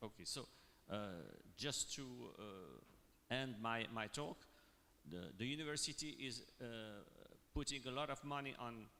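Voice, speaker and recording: Bright-voiced man with many restarts, reverberant. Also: mid-range voice, a little hiss or hum. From Morocco. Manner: halting, many fillers and restarts. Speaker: university panelist. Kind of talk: panel discussion remarks. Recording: long hall reverb.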